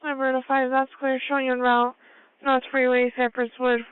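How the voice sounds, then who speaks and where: A woman's voice: high-pitched, flat delivery, a little fast, clean tone. A woman police dispatcher heard over a radio transmission, talking in terse, clipped call-sign phrasing. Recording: tinny narrow-band scanner radio.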